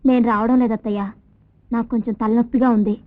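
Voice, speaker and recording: A woman's voice: fairly high pitch, steady tone, quick pace, no echo. A young woman in a family film, speaking innocently and curiously. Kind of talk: film dialogue. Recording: tinny phone-like film audio with music.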